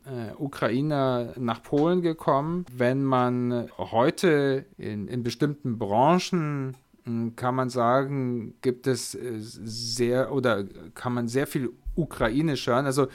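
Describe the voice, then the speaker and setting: A man hosting a relaxed discussion who pauses often and searches for his words as he sums things up. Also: medium pitch. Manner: halting, searching for words, summarizing. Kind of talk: conversational discussion.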